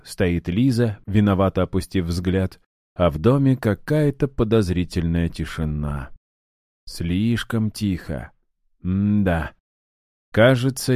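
A man reads an audiobook in the first person, with measured, wry storytelling. His voice is low and dark. The recording is close and dry. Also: no echo. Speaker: audiobook narrator.

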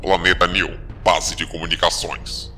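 A stern automated-style security announcer voiced by a man in an audio drama. The voice is deep and piercingly forceful, impersonal, with music underneath. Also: level tone, a little slow, heavily acted. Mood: stern warning. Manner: impersonal, warning.

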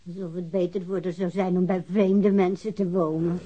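A woman's voice: on the low side, flat delivery, normal speed, warm tone, muffled recording, lightly acted. A woman acting an aggrieved, caring old grandmother in a radio drama, plain and plaintive. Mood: wistful, aggrieved.

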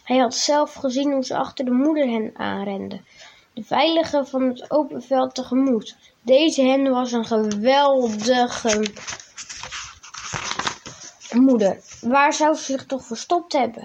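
A woman hosting a podcast and reading a storybook aloud in a steady, measured way. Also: sits high, vocal fry, husky. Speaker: podcast host and story reader. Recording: dull lo-fi recording.

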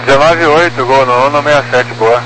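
A man's voice: medium pitch, normal speed, fairly bright tone. A man with a Brazilian accent speaking as a pilot, giving terse readbacks over aviation radio. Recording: noisy cockpit radio with hum.

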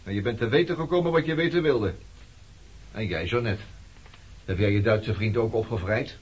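A dull, noisy old radio drama recording of an actor playing a sardonic man. His voice sits fairly low as he probes and needles with cool provocation. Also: moderate pace, natural voice. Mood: accusing. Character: sardonic, probing man returned from the past. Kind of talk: Dutch radio play acting.

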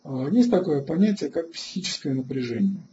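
A man hosting an online webinar lecture, halting with filler sounds and restarts, and answering chat questions between points. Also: fairly high pitch, sing-song, highs cut off, noisy background. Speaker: webinar host.

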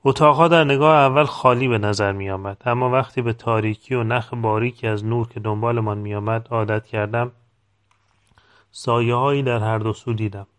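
A man reading a novel aloud in calm, measured scripted narration. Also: mid-range voice. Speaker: audiobook reader.

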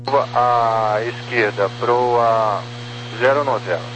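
A Brazilian male approach controller speaks in terse phraseology. His medium-pitched voice comes over aviation radio with a hum and faint noise. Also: steady tone, takes it slowly, fairly bright tone. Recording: humming, faintly noisy radio.

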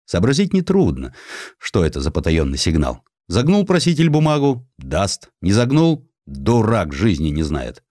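A man reads historical satire as a dramatized audiobook. His voice is on the low side, with highly animated intonation and an ironic, theatrical delivery. The recording is dry. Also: moderate pace, dry recording. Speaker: audiobook narrator.

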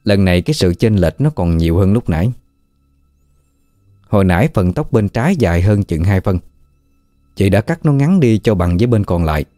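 Man, Southern Vietnamese accent, ghost story narrator, measured, dry close mic, faint music. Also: deep voice, sing-song, dark tone, no room sound.

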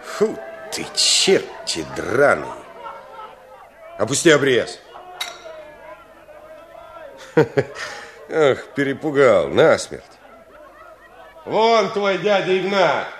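An actor playing a boisterous, swaggering gang leader in a radio drama, loud, expansive and mocking. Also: male voice, medium pitch, very animated, takes it slowly, long pauses. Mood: amused scorn. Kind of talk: Russian radio drama acting. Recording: music and revelling crowd behind.

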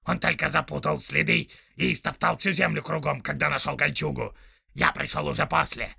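A man's voice: on the high side, fairly quick, creaky, bright, forceful tone, husky, no echo, studio quality, pitched above the performer's own voice, exaggerated voice. A man voicing a small, spiteful male orc tracker who whines, mocks and snarls. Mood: snarling. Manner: whining, snarling, mocking.

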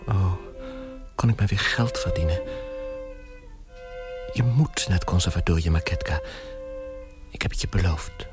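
An actor playing a gentle, sorrowful young man turned into an insect in a radio drama, speaking in a wistful, hushed and fervent way. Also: fairly low pitch, close to an everyday voice. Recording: violin music behind the voice.

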